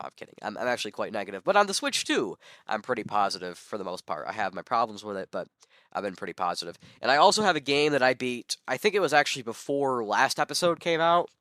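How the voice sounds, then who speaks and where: A young man hosts his podcast alone while sick, his voice hoarse yet smooth and resonant underneath. He rambles, trips over himself and fills gaps with ums. The sound is dry and close. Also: mid-range voice, pushed and bright, dry recording. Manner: rambling, many ums and self-corrections. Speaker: podcast host. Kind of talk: solo podcast monologue.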